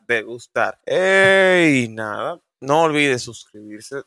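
A man, hosting a podcast with quick jokes and a sign-off. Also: medium pitch, bright, forceful tone, no echo. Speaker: podcast host. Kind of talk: casual podcast chat.

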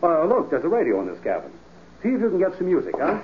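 Sneering, swooping crook bridegroom, old radio. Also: male voice, sits high, wildly swooping pitch, fast talker. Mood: edgy, evasive. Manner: sneering, slangy tough talk. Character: cruel, mocking criminal bridegroom after money. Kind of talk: 1940s radio acting. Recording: noisy muffled 1940s radio recording.

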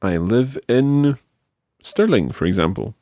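A man hosting a podcast language lesson, modelling phrases slowly and clearly for a learner. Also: lowish voice, lively intonation, dark tone, no room sound, clean studio sound. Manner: slow, clear teaching delivery with drawn-out model phrases. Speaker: language teacher and podcast host.

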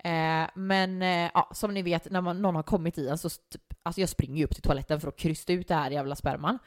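A young woman tells a story in relaxed podcast chat. She acts out the quoted voices as she goes. The recording is dry and close, with no room sound. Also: on the low side, no room sound. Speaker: guest. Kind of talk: casual storytelling.

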